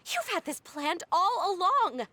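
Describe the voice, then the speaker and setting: A woman's voice: very high voice, big pitch swings, a little slow, bright, forceful tone, full character voice. A woman voicing a cornered young woman in a game, who speaks with indignant, accusing defiance. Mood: bitter defiant. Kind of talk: game cutscene voice acting.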